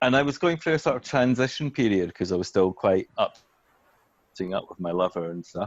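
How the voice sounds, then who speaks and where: A man speaks with a Scottish accent and a fairly low pitch. His intonation is lively. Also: dry, close sound with no echo, quiet background. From Scotland. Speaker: tantric yoga teacher and massage practitioner. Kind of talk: interview.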